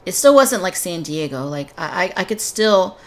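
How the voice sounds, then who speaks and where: A woman with a low voice hosts a conversational podcast. She is from Texas and talks through the discussion as its host. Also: animated, moderate pace. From Texas, United States.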